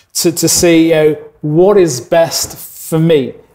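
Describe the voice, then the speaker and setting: Speaking with an English accent, a man has a fairly high pitch and a dark, mellow tone. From England. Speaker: insurance agent. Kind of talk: interview. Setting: studio.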